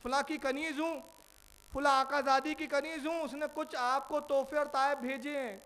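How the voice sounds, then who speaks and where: A man's voice: extremely high pitch, level tone, fairly bright tone, a little hiss or hum, pitched above the performer's own voice. A man voicing an eager young maidservant announcing gifts, in a raised voice.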